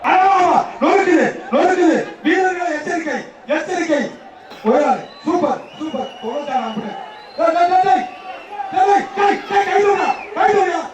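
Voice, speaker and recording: A man announcing a bull-taming event through a loudspeaker PA, shouting cheers and prize lists. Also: very high voice, animated, moderate pace. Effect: through a loudspeaker PA system. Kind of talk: live bull-taming commentary. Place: outdoor arena. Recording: echoey loudspeaker from far off, crowd behind. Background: loud cheering crowd.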